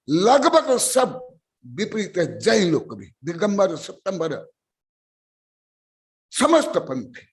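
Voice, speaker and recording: A man delivers a slow, deliberate sermon and lectures his listeners with emphatic scolding. His voice sits high and swings widely in pitch, rising sharply on stressed words. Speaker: Jain monk giving a scripture lecture.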